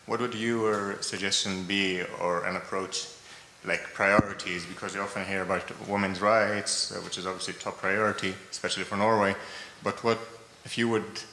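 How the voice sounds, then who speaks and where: A man with a low yet sharp, forceful voice asks a question from the audience, hesitating as he searches for words. His voice rings in a roomy hall with long reverb and a faint murmur behind. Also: steady tone, normal speed, a little hiss or hum. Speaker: audience member asking a question.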